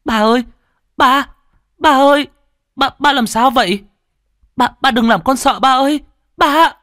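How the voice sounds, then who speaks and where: A man's voice: measured pace, bright, forceful tone, no echo, studio quality, heavily acted. Sobbing, frightened little boy. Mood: panicked. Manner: sobbing, high and desperate. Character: small frightened boy crying for help.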